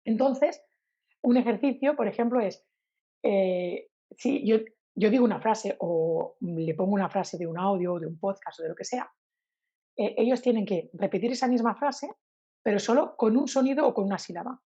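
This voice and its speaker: A woman's voice: mid-range voice, normal speed, warm tone, highs cut off. A woman from Spain, a Spanish teacher being interviewed, who talks animatedly and acts out her examples with a sing-song voice. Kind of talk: casual interview talk.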